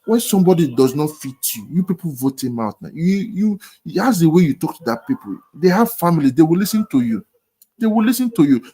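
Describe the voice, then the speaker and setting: Nigerian man, husky voice, insistent debater on a call, repeats points. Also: a little high, very animated, a little fast, dark tone. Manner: repetitive, emphatic, mixes in pidgin. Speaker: discussion participant. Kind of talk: heated casual debate.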